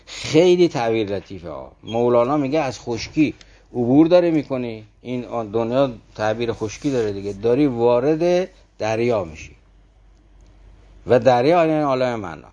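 A man's voice: mid-range voice, animated, mellow. A man teaching a classical verse story, explaining its meaning and turning often to his listeners with rhetorical questions. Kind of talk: didactic talk explaining verse.

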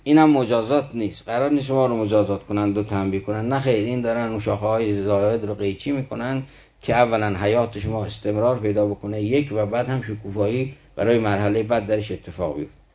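A man's voice: on the low side, warm tone. Earnest man lecturing on poetry. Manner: measured, recites verses slowly and then explains them; earnest, speaks straight to the listeners. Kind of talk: spiritual lecture explaining verses.

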